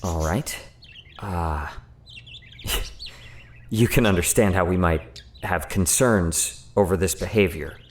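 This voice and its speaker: Low-voiced, wary agency doctor. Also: male voice, takes it slowly, long pauses, a little hiss or hum. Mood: wary, hesitant. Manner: hesitant, formal, explanatory. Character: earnest male scientist doctor of a secretive agency, wary. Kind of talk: audio drama acting.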